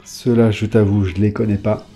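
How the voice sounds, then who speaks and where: A man casually chatting to his viewers while flipping through old trading cards, hesitant at times and bursting into sudden excited exclamations. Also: fairly low pitch, moderate pace, husky, soft background music. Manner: hesitant, many fillers while reading names. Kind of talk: casual off-the-cuff commentary.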